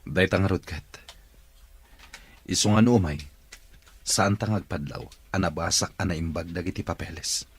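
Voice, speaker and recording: A man's voice: deep voice, normal speed, long pauses, slightly rough. An actor in an Ilocano radio drama playing a weary rich man who uses a wheelchair. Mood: suspicious, bitter. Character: weary, discouraged rich male boss in a wheelchair.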